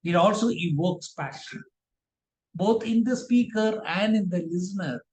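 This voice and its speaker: A man teaching a public speaking workshop, speaking deliberately in short, emphatic phrases. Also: sits high, a little mellow. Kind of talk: instructional workshop presentation. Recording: roomy, echoing sound.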